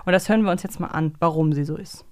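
A woman's voice: on the low side, fast talker, no echo, clean studio sound. A woman with a standard German accent hosting a podcast, discussing and commenting casually. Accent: standard German, no southern dialect. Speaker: podcast host.

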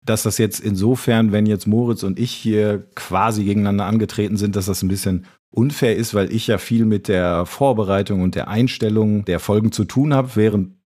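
A man co-hosting a podcast, joking and teasing himself in quick bursts. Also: lowish voice, steady tone, a little mellow. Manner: joking, self-mocking, talks in quick bursts. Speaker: podcast co-host. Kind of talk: casual podcast chat.

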